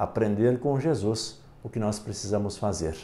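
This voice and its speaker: A man with a dark, mellow, somewhat breathy voice speaks at a fairly slow pace with lively intonation. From Brazil. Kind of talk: sermon. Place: home room. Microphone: lapel.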